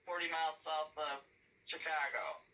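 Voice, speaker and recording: Sharp, distant American woman on the phone. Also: deep voice, little pitch movement, moderate pace. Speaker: freight broker. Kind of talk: casual business phone chat. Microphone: heard through a phone speaker. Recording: tinny phone call on speaker, distant.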